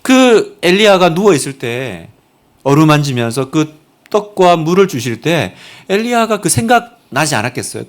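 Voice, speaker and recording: A middle-aged male pastor delivering a Sunday sermon in a church. His voice sits a little high and swings through a wide, animated pitch range. He moves between hushed, confiding lines and loud, emphatic ones. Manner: expressive, acts out voices and quotes with sudden loud and soft swings. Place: church sanctuary.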